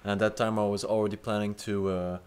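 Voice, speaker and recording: A young man with a slightly low voice hosts an unscripted chat. He rambles loosely, stacks up fillers and restarts, and swears in passing. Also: little pitch movement, brisk, a little mellow, slight background noise. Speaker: host. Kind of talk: improvised casual commentary.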